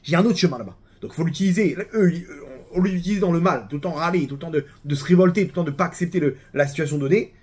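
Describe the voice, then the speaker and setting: A man with a French accent giving a casual religious talk, animated and full of restarts and repeated words. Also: fairly high pitch, fast talker, hardly any pauses, husky.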